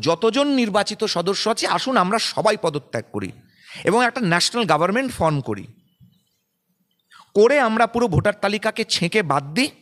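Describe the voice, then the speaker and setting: Combative high-voiced Bengali man. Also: fairly bright tone. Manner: combative, emphatic and rhetorical. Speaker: political spokesperson. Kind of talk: press statement.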